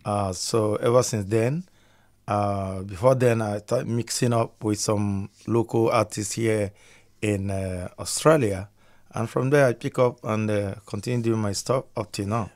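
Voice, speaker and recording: A man's voice: lowish voice, fairly even intonation, a little slow, darkish tone. A man from Nigeria, guest musician on a casual radio interview, upbeat and repeating his phrases.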